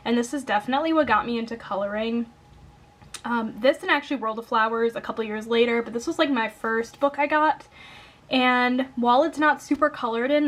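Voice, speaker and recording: A woman's voice: a little high, fairly bright tone. A young woman with a Midwestern American accent, chatting casually and upbeat to camera about coloring books, with plenty of "um" and "like". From Wisconsin, United States. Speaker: coloring YouTuber.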